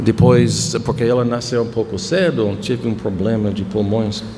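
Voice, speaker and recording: Over music in the background and audible room echo, a man with a medium-pitched voice speaks at a very slow pace. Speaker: theology professor. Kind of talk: lecture. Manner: halting, many fillers.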